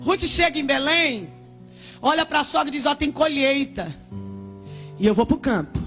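Brazilian woman preacher yelling a pentecostal sermon, real high voice, faint music behind. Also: expressive, normal speed. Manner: fervent, shouting, speaking in tongues. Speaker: missionary preacher.

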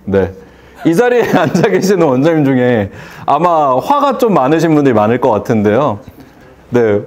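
Animated man giving a motivational talk. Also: mid-range voice, moderate pace. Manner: animated, rhetorical questions, acts out phone calls. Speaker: hair salon owner giving a speech. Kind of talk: motivational speech to an audience.

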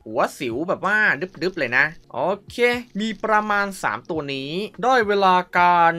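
A man's voice: high-pitched, sing-song, normal speed, pushed and bright. A man giving playful mobile game commentary, full of exclamations and mouthed sound effects. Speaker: mobile game YouTuber and host.

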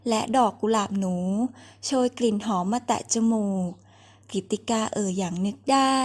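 A woman narrating a romance novel in an audiobook, reading steadily. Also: fairly high pitch.

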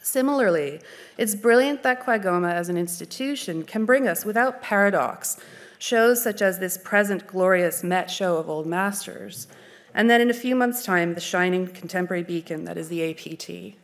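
A woman in her forties from Canada with a Canadian accent, giving a measured, articulate art history lecture from a lectern on a dark stage. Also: fairly low pitch. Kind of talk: formal lecture.

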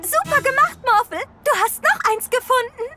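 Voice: extremely high pitch, lively intonation, normal speed. A performer voicing a confident, eager little girl who gives commands to her pet in a children's cartoon. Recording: loud music behind the voice.

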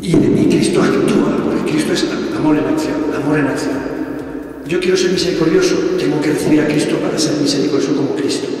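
A man, a priest telling a story in sermon style, animated and acting out the voices in it. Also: fairly high pitch, fast talker, very echoey, long reverb tail, recorded from a distance, low-quality recording. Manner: animated, acts out voices and shouts. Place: church.

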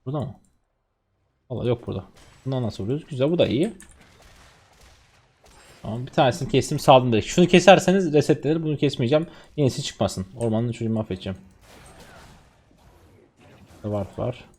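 A man in his twenties from Turkey, a streamer chatting excitedly to viewers while commentating his own gameplay. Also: medium pitch, brisk, pauses often, breathy edge. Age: 20s.

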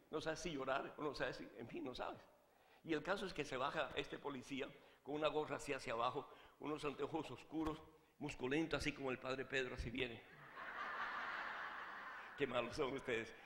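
A man preaching as a Catholic priest, swinging from hushed asides to shouted fervor. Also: on the high side, echoey room, long reverb tail. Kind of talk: sermon with a joke.

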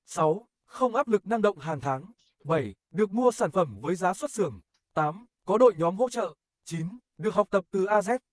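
A man's voice: high-pitched, lively intonation, moderate pace, dry recording. A man reading scripted promotional narration as an advertisement narrator.

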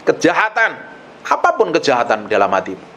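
A male pastor preaching a sermon in an animated way, swinging between loud and hushed and acting out the people he quotes. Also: on the high side, brisk, a little hiss or hum.

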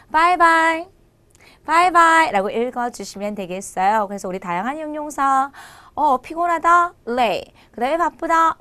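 Woman language teacher, high voice, very lively pitch, drills words with exaggerated tones. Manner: animated, drills phrases slowly with exaggerated tones. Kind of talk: online language lesson.

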